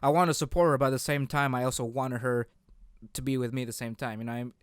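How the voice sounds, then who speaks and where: A man hosting a casual podcast chat about games, halting as he repeats and rephrases himself. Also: mid-range voice, fairly even intonation, smooth, no echo, clean studio sound. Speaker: podcast host.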